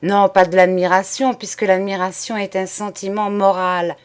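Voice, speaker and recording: A woman narrating a novel in the first person as an audiobook, with a measured, dramatic delivery. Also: mid-range voice, little pitch movement, clear, resonant tone. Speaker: audiobook reader.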